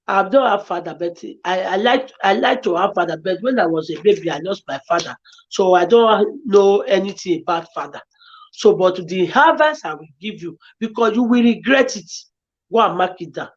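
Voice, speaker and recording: A woman with a Nigerian accent talks earnestly, pleading and repeating herself as she gives advice. Her voice sits at an ordinary pitch for a woman. The audio is dull and lo-fi. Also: lively intonation, normal speed. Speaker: guest. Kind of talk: emotional advice-giving chat.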